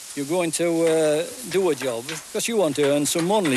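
A man with a strong Yorkshire accent talks at a fairly slow pace and a fairly high pitch for a man, with noticeable background noise. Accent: strong, old-fashioned Yorkshire dialect. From Yorkshire, near York. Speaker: farmer. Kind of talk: rural dialect, uses old Norse-derived words.

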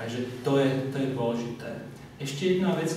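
Strong room echo and noticeable background noise accompany a man's speech. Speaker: gallery event host. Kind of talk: exhibition opening speech. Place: hall. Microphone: camera far.

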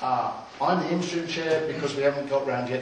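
A man at a very fast pace, with audible room echo and noticeable background noise. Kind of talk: meeting chair's opening remarks. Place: hall. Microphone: camera far.

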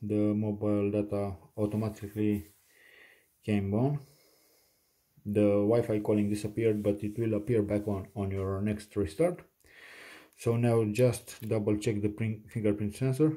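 Over a quiet background, a man with a non-native accent speaks at a moderate pace with long, frequent pauses. His voice is fairly low, dark and mellow, with fairly even intonation. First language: not English. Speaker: phone repair tutor. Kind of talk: tutorial. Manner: halting, many fillers. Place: home room. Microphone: phone near.

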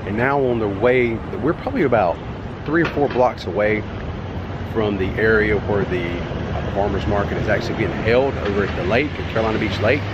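A man talks at a fairly quick pace with ordinary pitch variation. The sound is dry with no echo, though loud background noise is present. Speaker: travel vlogger. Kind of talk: casual vlog chat. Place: street. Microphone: phone near.

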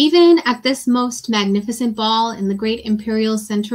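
A woman speaks in a fairly high, somewhat breathy voice with an enthusiastic tone and ordinary pitch variation. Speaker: author and event host; event host. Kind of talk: virtual event hosting. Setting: video call livestream. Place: home room. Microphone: video call.

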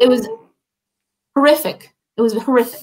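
With an Irish accent, a woman talks at a moderate pace using ordinary pitch variation. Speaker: comedian. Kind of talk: casual banter and short stand-up set. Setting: video call. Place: home room. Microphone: webcam.

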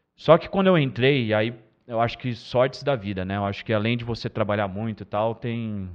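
The pace of speech is fairly quick. Little sound comes from the quiet background. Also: man. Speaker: basketball assistant coach. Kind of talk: casual interview chat. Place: studio.

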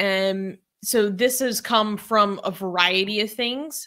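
A woman speaks with fairly even intonation over a quiet background. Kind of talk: appeal for donations, explanation. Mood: earnest, serious. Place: home room.

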